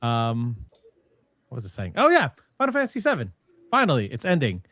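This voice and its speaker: A man's voice: mid-range voice, wildly swooping pitch, brisk, fairly bright tone. A man hosting a casual gaming discussion in an informal, exclamatory way. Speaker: podcast host.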